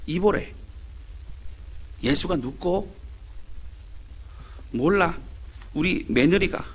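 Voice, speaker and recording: A man voicing old countrywomen gossiping in a put-on Gyeongsang dialect, slow and exclaiming. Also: sits high, expressive, husky, full character voice.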